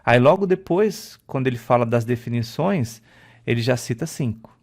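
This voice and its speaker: A male instructor teaching a recorded video lesson at a slide, in a conversational way, often checking in with a quick "tá?". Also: mid-range voice, animated, a little mellow. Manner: explains at a slide, often ends phrases with a checking "tá?"; conversational, with filler "é" and restarts. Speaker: IT exam-prep instructor.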